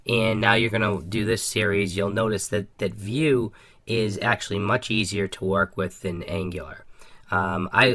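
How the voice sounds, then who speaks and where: A man hosting a casual coding tutorial, walking through each step in a relaxed, upbeat way with a few ums and restarts. His voice is still a little raspy from an illness. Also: fairly low pitch. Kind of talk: screen-recorded coding walkthrough.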